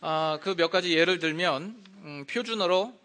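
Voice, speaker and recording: A male pastor giving a conversational sermon in a church, often pausing with hesitation fillers between phrases. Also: high voice, sharp tone. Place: church sanctuary.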